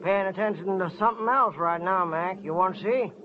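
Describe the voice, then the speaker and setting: Indifferent, drawling hotel clerk played by a man, a bit high; old muffled radio with faint hiss. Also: fairly quick, natural voice. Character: lazy, dreamy male hotel desk clerk. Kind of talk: 1950s radio drama acting.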